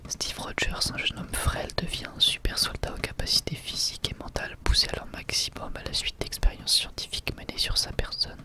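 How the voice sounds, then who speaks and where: An ASMR host speaks in a soft library whisper throughout, offering casual, unhurried commentary on a book with musing asides.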